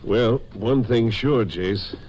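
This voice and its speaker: Low-voiced, level-headed western sheriff. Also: male voice, slow, dull audio. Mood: thoughtful. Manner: matter-of-fact, steady. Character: level-headed Texas sheriff, supportive lawman. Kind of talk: 1950s western radio drama acting. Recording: noisy old-time radio recording.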